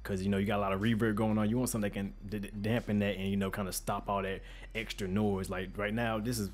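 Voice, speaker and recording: A man with a deep, bassy voice hosting an informal, conversational tutorial in slangy everyday speech, recorded close on a studio microphone. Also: little pitch movement, fast. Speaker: music production tutorial host. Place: untreated home studio room with reflection filter. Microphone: studio microphone with pop filter, close up.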